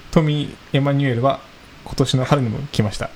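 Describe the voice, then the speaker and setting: A man's voice: mid-range voice, fairly even intonation, moderate pace, a little mellow, poor audio. Male podcast co-host, polite and modest, mid-range voice, faint background hiss. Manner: polite, modest, laughs easily. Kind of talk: reading a listener letter and casual chat.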